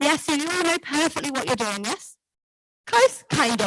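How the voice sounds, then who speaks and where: A woman speaks with an English accent at a fairly quick clip. Her tone is bright and sharp. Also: dry, close sound with no echo. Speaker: competition manager. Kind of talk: event briefing.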